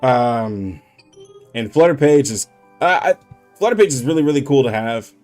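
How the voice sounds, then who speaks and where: A male gaming streamer chats on a live stream at home, slangy and animated, leaning on filler words and breaking into laughs. His voice sits at a middle pitch. Faint game music runs behind him. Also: moderate pace. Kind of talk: casual livestream chat.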